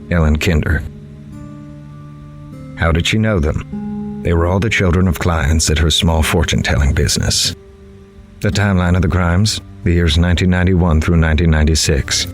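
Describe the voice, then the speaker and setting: An actor playing a grim, dogged male crime reporter in a horror audio drama, with a measured, grave, dramatic delivery. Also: deep voice, lightly acted. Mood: grim, methodical. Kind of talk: noir-like scripted horror narration.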